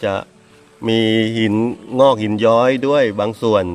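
A man's voice: on the low side, a little slow. Thai man chatting at a cave mouth. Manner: relaxed, asks the guide questions. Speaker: travel vlogger host. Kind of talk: casual on-site tour chat. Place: outdoors at a cave mouth by a stream.

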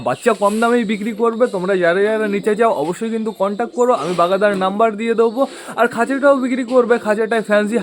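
A man vlogging about his pet pigeons in a casual, chatty way, talking to viewers and coaxing his birds. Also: high-pitched. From West Bengal, India. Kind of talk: casual vlog narration.

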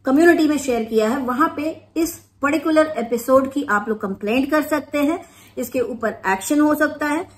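A woman hosting a reaction vlog who gives indignant, sarcastic opinion commentary and mixes English phrases into her speech. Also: high voice. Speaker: reaction video host.

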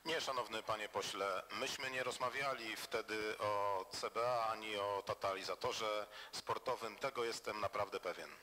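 A man gives testimony at an official hearing in a bright, forward voice. He sounds formal and guarded, pausing often and addressing the chair with stiff courtesy. Faint noise sits under the voice. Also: fairly low pitch, steady tone. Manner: formal and defensive, repeats honorifics, hesitant fillers. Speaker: witness before an inquiry committee. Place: parliamentary hearing room.

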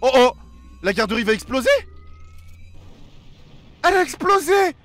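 A young man giving excited let's play commentary, exclaiming and talking to himself as he reacts. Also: very high-pitched, normal speed, no echo, soft background music. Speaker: gaming video host.

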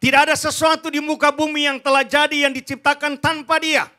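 High-voiced bright pastor preaching on stage. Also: male voice, level tone, brisk. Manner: emphatic preaching, addresses congregation, acts out demonstrations. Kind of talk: sermon. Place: large church stage. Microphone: handheld mic.

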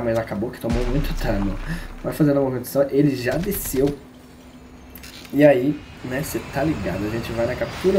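A man of medium pitch, heard against a noisy background, streams a shooter game in a Brazilian Portuguese accent. His live commentary is full of slang and jokes, and he teases the people watching.

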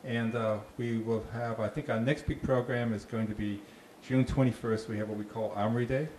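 A man with a Boston accent, a park ranger, speaks a little fast in a mid-range, slightly mellow voice with fairly even intonation. It's an informal talk with audience questions, delivered into a handheld mic in a small dark meeting room with a slide screen, full of restarts and dry jokes. There's echo and faint background noise.

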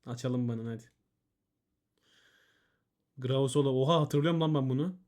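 A man's voice: mid-range voice, moderate pace, darkish tone. Blunt, foul-mouthed male streamer. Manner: blunt and swearing, reading chat messages aloud. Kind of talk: casual profane stream commentary.

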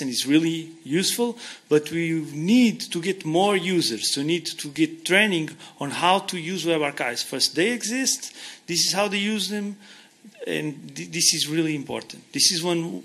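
A man's voice: fairly high pitch, a bit bright. A man in his thirties from Portugal with a Portuguese accent, answering audience questions at a conference on a handheld mic, earnest and restarting often. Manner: earnest, explains with hand gestures, frequent restarts. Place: conference hall stage, seated in armchair.

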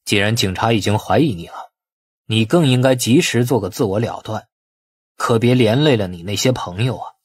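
A man voicing a cold, menacing killer with an icy, deliberate, threatening delivery in an audiobook. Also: lowish voice, husky, dry recording. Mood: cold menace. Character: cold, menacing male killer bent on revenge.

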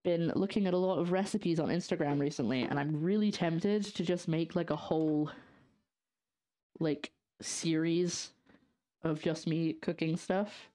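A woman's voice: low-pitched, unhurried, warm tone. A young woman from northeast Scotland with a light Scottish accent and a slight lisp from a brace, chatting jokily to her stream while cooking in her home kitchen. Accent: light Scottish, partly English-sounding. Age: young adult. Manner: chatty, jokey, sarcastic asides to chat. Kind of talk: casual live-stream chat while cooking.

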